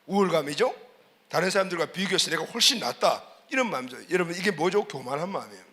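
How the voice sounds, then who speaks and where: A man's voice: a little high, lively intonation, fast, pushed and bright. A male pastor preaching a sermon in church, asking the congregation questions and repeating key words for emphasis. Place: church service.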